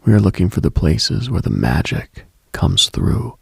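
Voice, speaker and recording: Male late-night host, heavy vocal fry, very dry close sound; intimate, husky, unhurried, contemplative ASMR-style delivery. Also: low voice, big pitch swings, dry recording. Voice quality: husky, gravelly, breathy. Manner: hushed, unhurried, contemplative, addresses listener directly.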